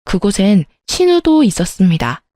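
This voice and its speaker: A woman's voice: medium pitch, big pitch swings, moderate pace, warm tone, dry recording. A woman narrating her own story as a daughter-in-law, earnest and aggrieved when she speaks up. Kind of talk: first-person story narration with acted dialogue.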